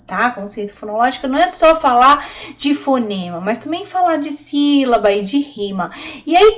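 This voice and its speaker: A Brazilian woman teacher with a high, light voice walks fellow teachers through her literacy methods. She is middle-aged and speaks in an explanatory way, turning to the listener often to make sure they follow. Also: a bit bright. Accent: Brazilian Portuguese. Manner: explanatory, addresses teachers directly, frequent "tá?" check-ins. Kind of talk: online teaching video.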